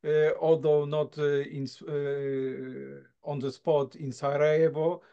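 Slow, halting man. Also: on the high side, little pitch movement, gravelly, mellow, clean tone. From southern Poland. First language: Silesian. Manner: halting, thoughtful, many filler sounds and tag questions. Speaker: guest lecturer. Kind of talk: academic lecture. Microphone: video call. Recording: dull lo-fi video call audio.

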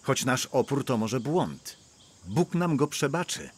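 A scheming middle-aged church elder in a dubbed drama, reassuring and persuasive, with a lively, rising and falling delivery. His voice sits at an ordinary pitch for a man. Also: slow pace, husky, exaggerated voice. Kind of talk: Polish dubbing of a film. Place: outdoors in a park, then indoors at a church meeting.

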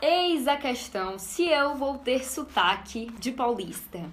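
A woman in her twenties from Ceará with a Cearense accent, chatting to camera in an animated way as a vlogger, recorded in a bedroom studio. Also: high voice, takes it slowly, music in the background. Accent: Cearense Brazilian Portuguese. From Ceará, Brazil. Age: 20s. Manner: animated, talks with her hands. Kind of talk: casual chat to camera. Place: bedroom studio with clothes rack.

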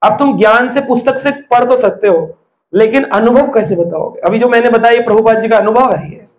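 A very high male voice comes through fairly quickly in an echoey room. The speaker is a preacher offering a devotional discourse, telling stories and asking his listeners rhetorical questions.

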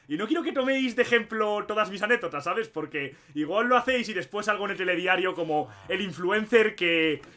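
A young man from Spain with a Spain Spanish accent, telling stories in excitable, slangy casual gaming commentary. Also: sits high, brisk, few pauses. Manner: excitable storyteller, laughs often, slangy. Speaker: gaming YouTuber.

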